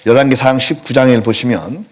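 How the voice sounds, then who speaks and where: A male pastor preaching a sermon in a church, telling stories with lively acted-out quotes. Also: mid-range voice, a little fast. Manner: animated storytelling, acting out quotes. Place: church sanctuary.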